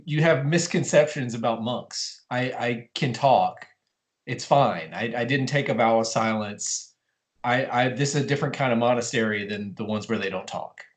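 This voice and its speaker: A man's voice: medium pitch, natural voice. A man playing a stammering, flustered monk. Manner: stammering, earnest, keeps correcting himself. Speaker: improv performer.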